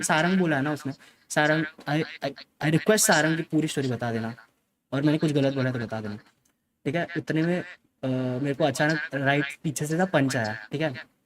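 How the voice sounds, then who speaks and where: Young man talking emphatically to viewers. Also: on the high side. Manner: mixes Hindi with English phrases; emphatic, keeps repeating "okay" as a filler. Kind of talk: casual spoken account to viewers.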